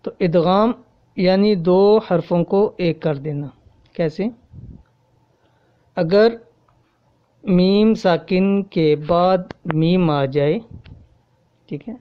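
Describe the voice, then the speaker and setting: A fairly low, clean-toned female voice, captured in dull audio, teaches the rules of Quran recitation. She explains patiently, repeats every point, and checks with "okay?" that her students are following, reciting the Arabic examples slowly and with drawn-out sounds in this explanatory tajweed lesson.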